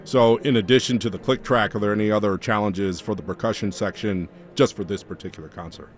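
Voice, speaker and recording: A man hosting a broadcast interview at a concert intermission, asking polite, smooth questions. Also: on the low side, steady tone, a little fast. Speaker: radio host.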